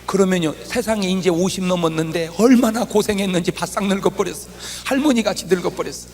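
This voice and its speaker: A pastor delivers a sermon at a brisk pace, firing rhetorical questions at the congregation. He swings between loud exclamations and quiet asides.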